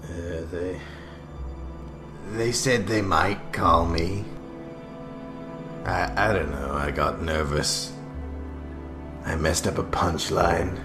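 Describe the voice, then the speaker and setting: An actor playing an insecure, despairing young husband and failed comedian in a radio drama, stammering and halting. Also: male voice, low voice, fairly even intonation. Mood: dejected. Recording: music behind the voice.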